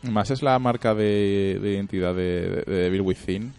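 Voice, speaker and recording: Deep-voiced Spaniard in casual podcast chat. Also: male voice, normal speed, clean tone, faint music behind. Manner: relaxed, trails off mid-sentence, many fillers. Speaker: podcast co-host. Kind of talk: casual chat about video games.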